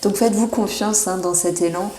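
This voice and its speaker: A woman giving a monthly horoscope tarot reading, reassuring and often pausing with fillers as she searches for words. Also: medium pitch, steady tone, warm tone. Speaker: tarot reader. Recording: echoey room.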